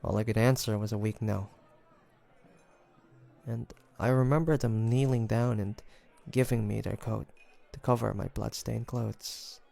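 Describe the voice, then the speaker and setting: Haunted young hunter, played by a man for audio drama: low, creaky voice, confiding and halting, earnest and wounded. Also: steady tone, dark tone. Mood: subdued, tender. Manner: halting, confiding, sighing between phrases. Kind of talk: dramatic audio roleplay, first-person storytelling.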